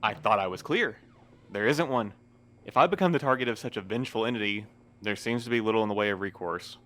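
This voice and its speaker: A low male voice from an actor plays a weary postmaster in an audio drama. He phrases everything formally and at length, with a dry, sardonic edge. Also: quick pace, fairly bright tone, lightly acted. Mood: resigned.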